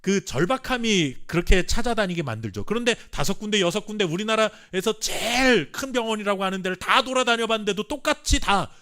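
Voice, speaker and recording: A Korean pastor preaching a sermon with earnest emphasis and dramatic pauses, sometimes reading scripture slowly. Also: male voice, sits high, animated, bright, forceful tone. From South Korea. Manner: reads scripture aloud slowly with the congregation.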